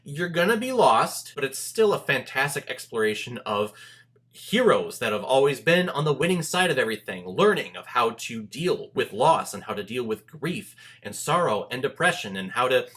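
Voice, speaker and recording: A man giving a casual, enthusiastic film review straight to his viewers, talking in an animated, emphatic and informal way. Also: medium pitch, normal speed.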